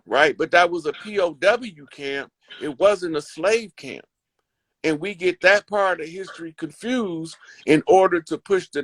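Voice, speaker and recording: A man's voice: sits high, a bit bright, dry recording. A man giving a confident, rambling talk in a casual conversational style. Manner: confident, emphatic, rambling with fillers. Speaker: host.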